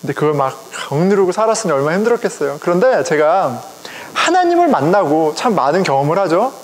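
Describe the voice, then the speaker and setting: A middle-aged man, a pastor, preaching a sermon in a conversational, animated way, speaking directly to his congregation. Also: on the high side, quick pace, slight background noise. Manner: conversational, animated, chuckles often, addresses congregation. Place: church sanctuary. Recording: long reverb of a church hall.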